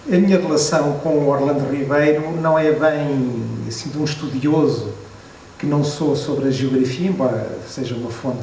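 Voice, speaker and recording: A Portuguese man in his fifties with a European Portuguese accent and a slightly raised pitch shares memories in a meandering, self-deprecating way. He is picked up from across an echoey hall. A faint hiss lies underneath. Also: normal speed, warm tone. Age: 50s. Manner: reflective storyteller, hesitant restarts, wry self-deprecating asides. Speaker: photographer and book author at a presentation. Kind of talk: relaxed anecdotal talk to an audience. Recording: echoey room, distant mic, faint noise.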